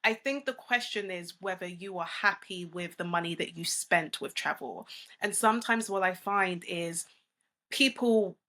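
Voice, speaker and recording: A woman from London with a London accent, a money coach answering interview questions in a measured, explanatory way. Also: lowish voice, pushed and bright. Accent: London English. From England.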